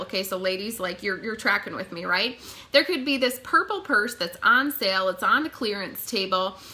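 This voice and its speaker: A woman talks at a moderate pace with hardly any pauses. Her intonation is lively. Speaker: network marketing trainer. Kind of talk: casual training talk to camera. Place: home room. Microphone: webcam.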